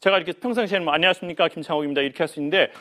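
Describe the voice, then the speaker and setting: Lively high-voiced male lecturer. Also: racing. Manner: animated, playful, acts out quoted voices. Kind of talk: humorous life lecture to an audience.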